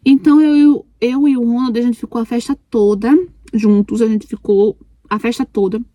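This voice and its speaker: A woman's voice: a little high, steady tone, normal speed, dark tone, no echo. A young woman from Brazil narrating a personal story in a chatty, repetitive way, often turning to her listeners. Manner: chatty, addresses listeners as "gente", many repetitions.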